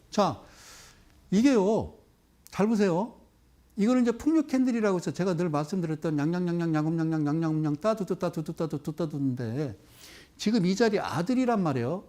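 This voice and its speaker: A man giving a televised investment lecture as a stock market expert. He talks emphatically and keeps checking that listeners follow with quick rhetorical questions. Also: high voice. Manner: animated, with sudden exclamations and chanted sequences.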